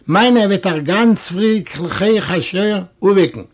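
A fussing, hospitable innkeeper woman from a storybook reading, as a male reader puts her on. Her voice sits high and bright. She urges her guests to eat and sleep well with homely care. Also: animated, slow, exaggerated voice. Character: kindly pious older woman innkeeper.

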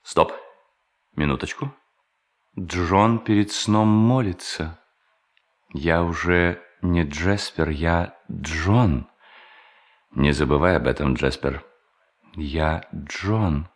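A man's voice: low-pitched, extremely slow, long pauses, heavily acted. An actor playing a sly, gleeful male bank robber posing as a pious hermit in an audio drama, muttering and exclaiming to himself with self-mockery. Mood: solemn self-warning. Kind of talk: theatrical audio drama monologue.

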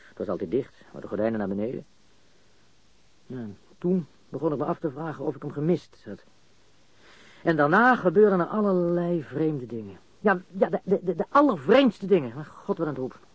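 An actor playing a baffled, cocky and coarse murder suspect in a radio crime drama, stammering and repeating words. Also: male voice, fairly high pitch, animated, brisk, slightly rough, dry recording. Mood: bewildered, exasperated. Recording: dull, lo-fi radio recording.

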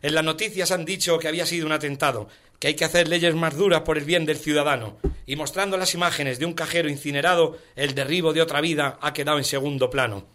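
Man, comic poem recital, rhythmic and emphatic, fairly high, bright voice. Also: steady tone, fast. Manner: rhythmic, emphatic recitation with colloquial clipped words. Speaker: comedian guest. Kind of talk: rhyming satirical poem recital and radio banter.

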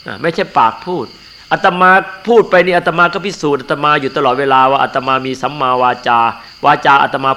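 Older monk giving an emphatic sermon. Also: male voice, on the high side, bright, forceful tone, slight background noise. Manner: earnest, emphatic teaching. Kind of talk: dharma sermon.

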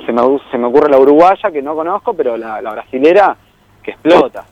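A man's voice: mid-range voice, lively intonation, brisk, no echo, highs cut off. A young Argentine man talks casually as a radio guest who works as a tour guide. He rambles, uses many fillers and laughs easily. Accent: Argentine Spanish.

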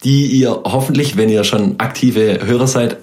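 A man's voice: medium pitch, normal speed, darkish tone. A young man in a casual podcast chat, speaking in colloquial youth slang as a guest.

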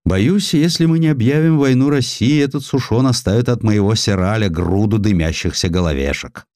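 A man's voice: lowish voice, normal speed, a little mellow, no echo, clean studio sound, lightly acted. A man voicing a fearful Turkish sultan in an audiobook, exclaiming anxiously. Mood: alarmed. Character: fearful Turkish sultan fretting to his vizier.

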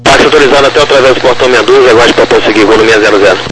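Brisk male controller on crackly military-style radio. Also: mid-range voice, over music. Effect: crackly military-style radio transmission. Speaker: air traffic controller. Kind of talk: quick procedural radio instructions. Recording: noisy, humming aviation radio channel.

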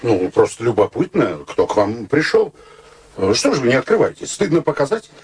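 An actor playing a cheeky, clinging middle-aged suitor in a radio play, mock-polite, ironic and theatrical. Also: male voice, mid-range voice, sing-song, normal speed, slight background noise, natural voice. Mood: teasing, jealous.

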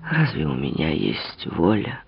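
A man voicing a young king, torn and helpless, speaking low and hushed, on a dull lo-fi recording. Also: huge pitch swings, measured pace, gravelly, slightly rough, full character voice. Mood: anguished. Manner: soft, hushed.

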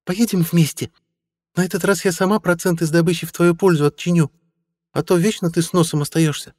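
A man voicing a flighty, playful young witch woman in a high chirping falsetto. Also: fairly even intonation, brisk, a little mellow, no room sound, studio quality, in a large hall, close to an everyday voice. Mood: lively.

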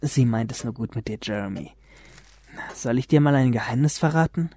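An actor voicing a polite, self-assured young detective in a German radio drama. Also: male voice, medium pitch, fairly quick, mellow, close to an everyday voice. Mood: confident. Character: calm, clever teenage boy detective.

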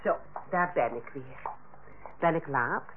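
An actress playing a proud, blunt, middle-aged head nurse with a curt, dry manner, in an old radio play. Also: female voice, low-pitched, slow, a little hiss or hum. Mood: brisk, friendly. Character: proud, blunt, sharp-tongued female head nurse, an aunt. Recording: dull old radio recording.

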